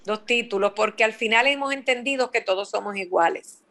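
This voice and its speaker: A woman's voice: a little high, brisk, a bit bright. A Dominican woman hosting a radio talk show, speaking emphatically and repeating key words for her listeners. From Dominican Republic. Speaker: radio host and family therapist.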